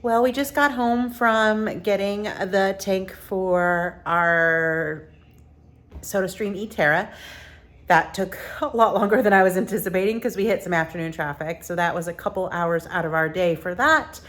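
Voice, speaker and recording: A woman's voice: mid-range voice, a little slow, a bit bright. Woman vlogger, casual rambling chat, a little stuffy-nosed at times. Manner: chatty, rambling with fillers. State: stuffy from allergies. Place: theme park, outdoors and at home.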